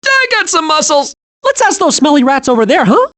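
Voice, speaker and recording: Hyperactive young male squirrel, game animation: very high, swooping, wide-eyed and childlike. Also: fairly quick, exaggerated voice. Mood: cheerful, naive. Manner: excitable, naive, wide-eyed. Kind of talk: animated video game voice acting.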